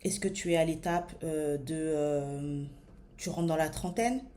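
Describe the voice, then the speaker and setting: A French woman in her thirties talks straight to her viewers as a body-image coach. Her voice sits a little low, and she speaks slowly and deliberately, pausing often with fillers as she searches for words. Faint room ambience hums behind her. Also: fairly even intonation, warm tone, slight background noise. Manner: many hesitations and fillers. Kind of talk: motivational talk to camera.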